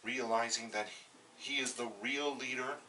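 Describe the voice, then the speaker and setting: Man acting a bright-voiced, hesitant cartoon planner. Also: mid-range voice, fairly even intonation, moderate pace, natural voice. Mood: explaining. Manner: hesitant, explanatory, repeats words. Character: matter-of-fact male planner explaining film casting decisions. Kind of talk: amateur fan-made cartoon voice acting. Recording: slightly distant mic, faint background noise.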